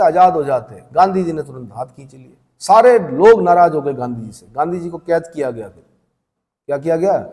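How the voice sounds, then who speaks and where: A man's voice: high-pitched, a little mellow, big-room sound. A male coaching teacher giving a classroom lecture, reading points aloud, then asking students questions and explaining plainly. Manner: reads text then explains in plain talk.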